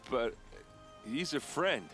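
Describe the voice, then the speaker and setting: A man's voice: mid-range voice, expressive, slow pace, music in the background. A man playing a blunt, skeptical tribal warrior in a video game, talking in a naturalistic, incredulous way. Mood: disbelieving.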